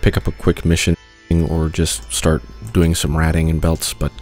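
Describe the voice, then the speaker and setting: A man's voice: rumbling low, completely flat delivery, normal speed, a little mellow, soft background music. A man with a cold hosting a casual video game playthrough, rambling easygoing talk with lots of filler. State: stuffed up with a cold. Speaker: let's play host. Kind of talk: casual gameplay commentary.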